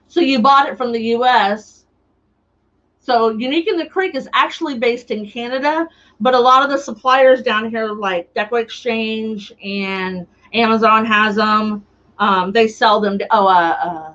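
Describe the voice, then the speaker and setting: Loud and bright with a sharp tone, a woman with an American accent speaks at a moderate pace and a fairly high pitch. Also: ordinary pitch variation. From Illinois. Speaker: crafter. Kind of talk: craft tutorial livestream. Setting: live stream.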